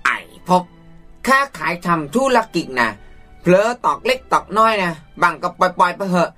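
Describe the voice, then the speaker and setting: A man plays a blunt, rough-talking friend with a high, lively and bright voice. He urges and pleads, and faint music sits behind him. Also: moderate pace. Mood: urging. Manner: rough casual talk, urging.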